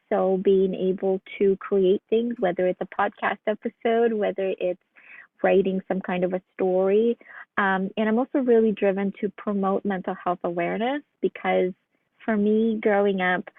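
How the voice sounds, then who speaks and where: Woman, from Ukraine, gravelly voice, earnest and reflective, tinny phone-like sound. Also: mid-range voice, steady tone, normal speed, dry recording. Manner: earnest, reflective, many fillers. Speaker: psychologist guest. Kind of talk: casual interview answers.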